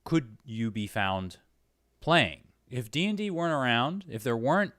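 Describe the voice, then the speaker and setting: A man's voice: medium pitch, animated, unhurried, fairly bright tone, no room sound, clean studio sound. A man interviewing in a casual conversational way, hesitant and often rephrasing his questions as he goes.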